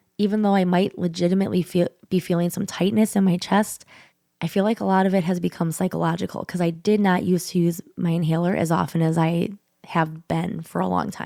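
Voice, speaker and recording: A husky voice with a dark, mellow tone moves at a fairly quick pace with fairly even intonation on a very clean recording with a silent background. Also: woman, fairly low pitch for a woman. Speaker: Reiki practitioner and spiritual coach. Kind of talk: motivational podcast talk.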